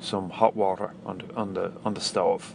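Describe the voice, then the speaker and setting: A man with an Irish accent speaks fairly slowly in a fairly low voice. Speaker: podcaster. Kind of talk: solo casual monologue.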